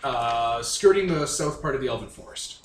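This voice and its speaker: A man's voice: mid-range voice, expressive, normal speed. A man casually improvising narration as game master of a tabletop game, talking informally. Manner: informal, conversational. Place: indoor room with other players. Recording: echoey room, far from mic, faint noise.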